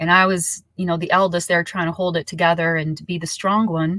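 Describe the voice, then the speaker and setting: On a very clean recording with a silent background, a woman speaks with a Portuguese accent. Her tone is bright and sharp, her pace moderate. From Brazil. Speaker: astrologer. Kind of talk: interview.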